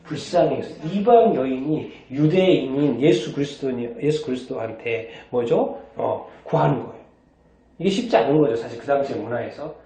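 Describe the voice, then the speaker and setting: Korean pastor preaching in an echoey hall. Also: male voice, medium pitch, expressive, moderate pace, warm tone. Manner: asks the congregation questions and answers them himself. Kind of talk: sermon. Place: church sanctuary. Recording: distant, echoey, dull church recording.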